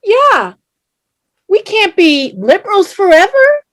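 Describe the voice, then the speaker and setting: A woman's voice: extremely high pitch, very animated, takes it slowly, fairly bright tone, full character voice. A woman playing a vain, spirited middle-aged Latina immigrant mother in a staged play reading, coaxing and wry. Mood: insistent. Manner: coaxing, mixes in Spanish words.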